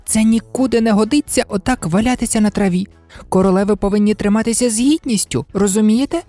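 A woman voicing Alice, an earnest and timid young girl who likes to argue, in a storybook reading, her voice pitched well above her own. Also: fast talker, dark tone, faint music behind, natural voice. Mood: musing. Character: polite, eager young girl.

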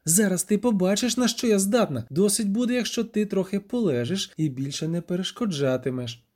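A weary sorceress with a cold, cutting edge, voiced in a raised register, as a male narrator plays her. Her lines are lively in pitch yet dark in tone. It comes from a fantasy storybook reading. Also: fairly quick. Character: sorceress, woman, cold and exhausted.

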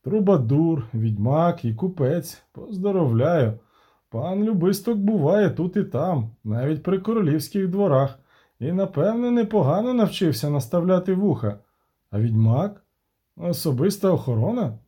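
A man voicing a shrewd, gruff male dwarf banker who talks frankly and cynically in an audiobook. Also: fairly high pitch, animated, normal speed, dark tone. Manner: worldly, cynical, frank talker.

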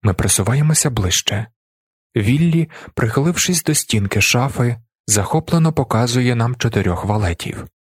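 A man reading a literary novel aloud as an audiobook narrator, with expressive delivery. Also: mid-range voice, husky, no echo, clean studio sound.

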